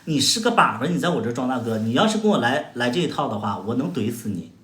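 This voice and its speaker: A man's voice: mid-range voice, big pitch swings, fast talker, fairly bright tone. Sarcastic Northeastern Mandarin man, echoey room. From Heilongjiang, China. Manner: sarcastic, combative, mocking retorts with exaggerated exclamations. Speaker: livestream host. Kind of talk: casual livestream chat answering viewer comments.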